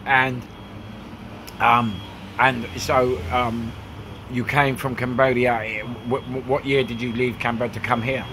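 A man interviewing a cafe owner on a handheld phone, excitable, laughing often and tripping over his questions. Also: medium pitch, unhurried, background noise. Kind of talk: casual street interview. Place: small cafe, indoors.

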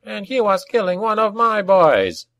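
A man voicing a brawling, defiant goblin war boss who barks blunt, rough orders, in audiobook dialogue. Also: sits high, big pitch swings, unhurried, a bit bright, muffled recording, voice pushed up, heavily acted.

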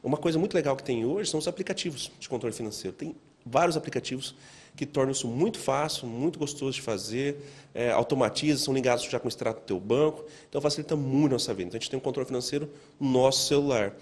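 A Brazilian man in his forties gives explanatory interview answers. He talks quickly in a mid-pitched voice. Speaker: financial expert interviewee. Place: indoor office. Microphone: handheld interview microphone.

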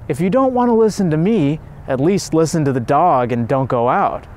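A man's voice: on the high side, animated, moderate pace, darkish tone, natural voice. A man putting on a worried old mother pleading. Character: worried elderly mother pleading with her son.

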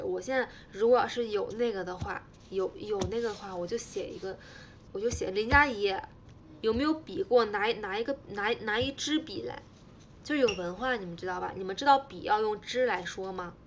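A woman's voice: mid-range voice, fairly quick, lo-fi sound, slight background noise. A young woman hosting a casual livestream, teasing her fans playfully and repeating herself as she chats. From China. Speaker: idol livestream host.

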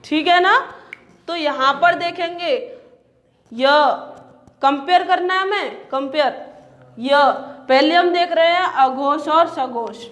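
A woman's voice: very high-pitched, slow, pauses often, fairly bright tone. A woman teaching a lecture, sounding out each syllable again and again and asking her students questions before she answers them herself. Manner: repeats sounds and asks the class questions. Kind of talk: classroom lecture.

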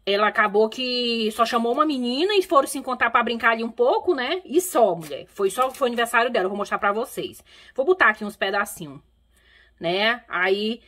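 A middle-aged woman from Brazil chats to her viewers in a loose, rambling way. Her voice sits a little high for a woman. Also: a bit bright. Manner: chatty, rambling, keeps saying "mulher" and "minha gente". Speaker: vlogger. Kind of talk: casual chat to camera.

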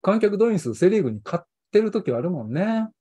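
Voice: mid-range voice, sing-song, a little fast, warm tone, husky, no room sound. A history channel host with a Kansai accent, chatting casually on a livestream, rambling and chuckling often.

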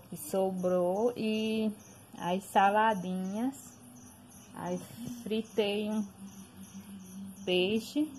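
Slow-talking woman listing groceries. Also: mid-range voice, a little mellow, rough recording. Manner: slow, plain listing with fillers. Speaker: home cooking and grocery vlogger. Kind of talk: casual voice-over listing groceries. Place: home kitchen. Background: pressure cooker hissing.

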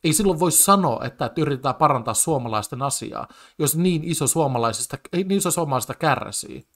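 A man's voice: fairly high pitch, expressive, gravelly, a bit bright. A man commenting on a TV debate in casual speech, agitated and full of stammered restarts and fillers. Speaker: commentator reacting to a TV debate clip.

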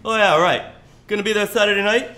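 A man playing a brisk, chatty police officer in a live radio play, recorded in a roomy club with some noise. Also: sits high, sharp tone. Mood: brisk, concerned. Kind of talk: live old-time radio play acting.

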